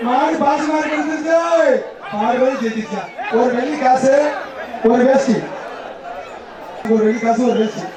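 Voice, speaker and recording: A man calls out the action through a loudspeaker PA, his voice pitched very high as he shouts over the crowd. The sound booms with heavy echo from far off, and a big crowd roars behind him. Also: a little slow, pauses often. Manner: shouting, repeating cheers and prize lists. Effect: through a loudspeaker PA system. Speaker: event announcer. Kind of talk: live bull-taming commentary. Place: outdoor arena. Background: loud cheering crowd.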